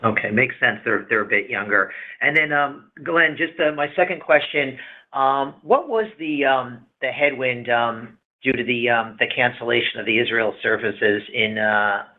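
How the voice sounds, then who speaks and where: A man's voice: medium pitch, moderate pace. Hesitant male analyst on a phone line. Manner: hesitant, searching for words. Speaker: financial analyst asking questions. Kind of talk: casual earnings call questioning. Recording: muffled narrow phone-line audio.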